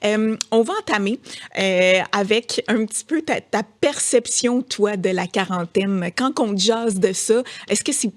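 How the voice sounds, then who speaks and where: A woman's voice: mid-range voice, a little slow. Host: woman in her forties, Quebec accent, mid-range voice, friendly and teasing, lots of fillers. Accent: Quebec French. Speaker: podcast host. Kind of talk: casual interview. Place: studio.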